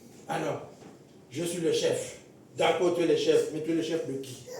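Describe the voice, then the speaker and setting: Fairly slow man's voice with a non-native accent, high in pitch, with audible room echo and noticeable background noise. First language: not French (speaking French). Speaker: pastor. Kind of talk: sermon. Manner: halting at times, searching for words.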